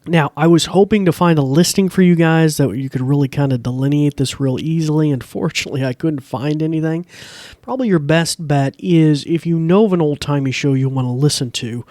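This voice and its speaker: A man's voice: on the high side, a little fast, dark tone, dry recording. A man hosting a podcast, giving a casual, chatty, informal tutorial into a close mic. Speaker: podcast host. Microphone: close podcast mic through a mixer.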